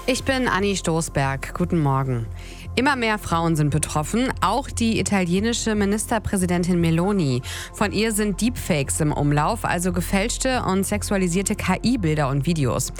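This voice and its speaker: A woman anchoring a local radio newscast, reading items in an even, measured way. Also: lowish voice, faint music behind. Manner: even, measured news delivery. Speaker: news anchor. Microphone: studio mic.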